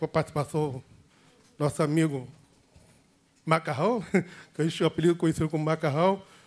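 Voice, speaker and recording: Fairly high in pitch, a man delivers his words at a fairly quick pace. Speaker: samba circle organizer. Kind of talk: public hearing speech. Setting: legislative hearing room. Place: meeting room. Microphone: handheld.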